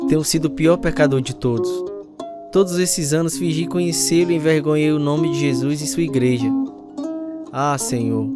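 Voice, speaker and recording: A man's voice: a little high, natural voice. An actor playing an earnest, repentant husband who tells his conversion story in a scripted radio drama. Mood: pleading, remorseful. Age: 30s. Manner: earnest, confessional delivery. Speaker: narrator and lead character. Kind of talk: scripted radio drama with first-person narration. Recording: radio drama over guitar music. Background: acoustic guitar music.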